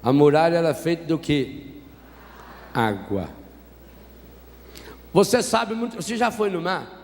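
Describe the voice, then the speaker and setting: A Brazilian Catholic priest preaching a sermon, telling a story with humor and asking the congregation questions. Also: male voice, a little high, animated, a little slow. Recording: reverberant hall with faint noise.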